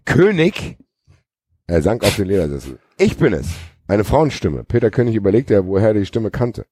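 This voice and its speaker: Low husky man reading aloud. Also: fairly quick, no echo, clean studio sound. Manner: animated, joking asides. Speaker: podcast host reading a novel aloud. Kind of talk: casual read-aloud with banter.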